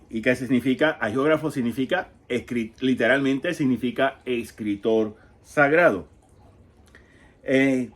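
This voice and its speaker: A male Catholic catechist in his fifties walks through a Bible passage at an unhurried, measured pace. His voice sits in a middle register, and he keeps stopping to pose rhetorical questions to his listeners. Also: medium pitch, a bit bright. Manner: slow, pausing, conversational teaching with many rhetorical questions.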